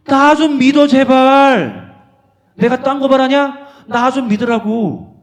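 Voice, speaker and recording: A man voicing Jesus as a loud, blunt figure pleading with his followers to believe in him. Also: very high-pitched, expressive, takes it slowly, voice pushed up, heavily acted. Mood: exasperated.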